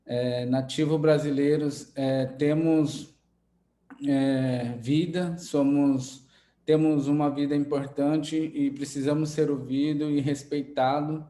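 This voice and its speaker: A man's voice: fairly high pitch, fairly even intonation, takes it slowly, dark tone, roomy sound. A Brazilian Indigenous man, not a native Portuguese speaker, speaking with many hesitations as an invited musician at an online event. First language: an Indigenous language. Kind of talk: heartfelt online event remarks.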